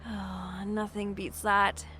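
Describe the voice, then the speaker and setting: A woman's voice: mid-range voice, little pitch movement, slow, pushed and bright, slight background noise. An actress playing a friendly, easygoing young bookish woman in a naturalistic audio drama, speaking casually. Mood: friendly, polite. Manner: casual, conversational.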